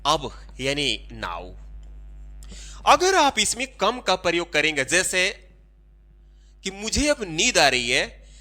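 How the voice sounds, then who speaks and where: A man giving an English grammar lesson in Hindi, explaining point by point and often stopping to ask if it is clear. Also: high voice, sharp tone. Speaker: English teacher.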